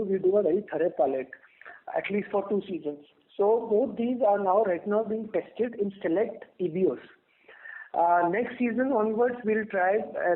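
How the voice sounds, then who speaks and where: A man with an Indian accent, a company executive explaining things on an earnings call, repeating words as he thinks. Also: high-pitched. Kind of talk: answering questions on an earnings call. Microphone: telephone line. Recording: narrow, tinny phone line.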